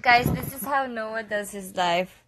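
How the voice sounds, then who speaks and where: A woman, chatting slowly and giggling on a phone livestream from a small bedroom. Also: on the high side, crowd noise. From South Korea. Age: 20s. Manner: slow, searching for words, giggly. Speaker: livestream co-host. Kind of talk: casual livestream chat. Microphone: phone camera close up.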